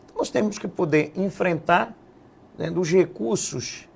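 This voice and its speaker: A man speaks in a political interview, laying out his points in a steady, explanatory way. His voice sits a little high and carries a gravelly edge. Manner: measured, explanatory, frequent "né?" tags. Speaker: guest, health businessman and former legislative assembly president.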